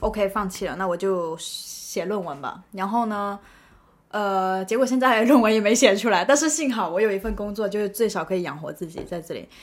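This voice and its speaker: In a very clean recording with a silent background, a woman with a Cantonese accent speaks at medium pitch and a moderate pace with ordinary pitch variation. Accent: Cantonese-accented Mandarin. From Macau, born in Guangdong. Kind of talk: casual chat interview.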